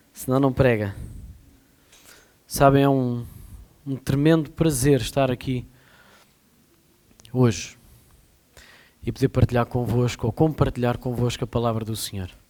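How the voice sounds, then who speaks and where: A man with a European Portuguese accent speaks fairly slowly at medium pitch, with a dark, mellow tone and long, frequent pauses. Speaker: preacher. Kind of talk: sermon. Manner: softer delivery.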